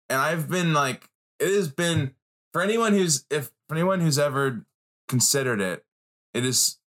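A man co-hosting a casual podcast, excitable and rambling, often breaking into laughter. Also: medium pitch. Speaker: podcast co-host. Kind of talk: casual chat.

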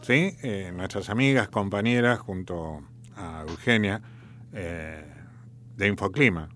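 A man's voice: sits low, slow pace, a bit bright, faint music behind. A man with an Argentine accent hosting a radio show, rambling in a chatty, folksy storytelling way. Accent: Argentine Spanish. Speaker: radio host. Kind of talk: casual radio chat.

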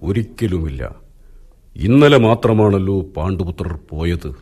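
A man playing the wise royal advisor Vidura in a radio play, grave and measured as he admonishes the king. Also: sits low, expressive, darkish tone, breathy edge, heavily acted. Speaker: radio drama actor. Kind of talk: 1980s Malayalam radio drama acting.

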